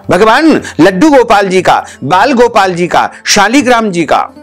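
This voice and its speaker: A male Hindu priest with a high, very animated voice gives devotional ritual instructions. He moves between plain guidance and long chanted Sanskrit vows. Faint instrumental music plays beneath him. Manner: gives step-by-step instructions to viewers.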